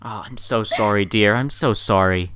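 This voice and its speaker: A woman interviewing a guest, asking questions in a sympathetic, expressive way. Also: very deep voice, moderate pace, clean tone, no echo, studio quality.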